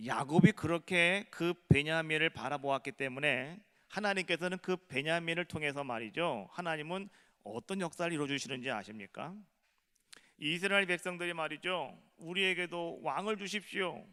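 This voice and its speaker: Man, pastor, sermon, forceful bright voice, hushed storytelling building to fervent pleas, long church-hall echo. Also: on the high side, clear, resonant tone. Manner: storytelling preacher who slows down and softens, then swells loud and fervent. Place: church sanctuary.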